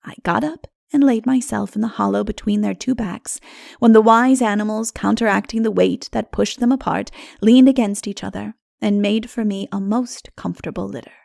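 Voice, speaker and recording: A woman narrating a literary fantasy audiobook in a measured, dramatic storytelling manner. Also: medium pitch, vocal fry, darkish tone, no room sound, studio quality.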